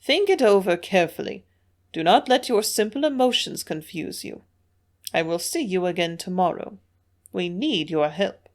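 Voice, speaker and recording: A frail, ancient Martian elder, read by a woman, speaks in a high, quavering voice. He stays calm and earnest, gently persuading his listeners toward a cold decision. An audiobook reading. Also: moderate pace, lightly acted. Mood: calmly persuasive. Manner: soft-spoken, coolly persuasive.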